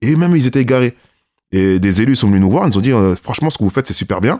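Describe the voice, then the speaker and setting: Over a very clean recording with a silent background, a man speaks in a dark, mellow tone at a medium pitch. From France, Paris suburbs (Val-de-Marne). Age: 40s. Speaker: community association coordinator. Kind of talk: interview.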